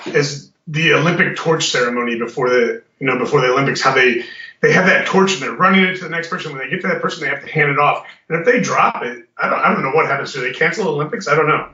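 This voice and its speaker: A man's voice: fairly high pitch, quick pace, sharp tone. A man being interviewed as a guest author, chatting with stumbling restarts. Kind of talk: casual interview. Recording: roomy, distant, lo-fi audio.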